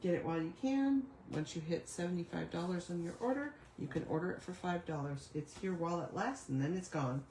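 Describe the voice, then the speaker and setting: A middle-aged woman with a raspy voice, recovering from a cough, chatting casually through a live paper craft demo and apologizing for her computer trouble. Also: lowish voice, fairly quick, hardly any pauses, darkish tone. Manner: chatty, apologetic, thinking aloud over tech trouble. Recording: echoey room with faint noise.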